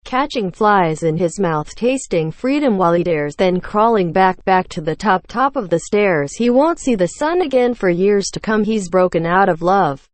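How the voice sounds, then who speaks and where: A female text-to-speech robot voice reading song lyrics in a stiff way, with odd pauses between phrases. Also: mid-range voice, lively intonation, no room sound.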